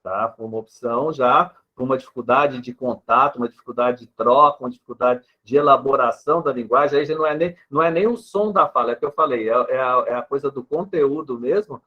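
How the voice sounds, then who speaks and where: A fast-talking man with a mid-range voice barely pauses as he gives an explanatory interview answer. He's a Brazilian Portuguese-accented speech therapist who patiently illustrates with examples and keeps adding a questioning "né" to his sentences, recorded in dull lo-fi quality.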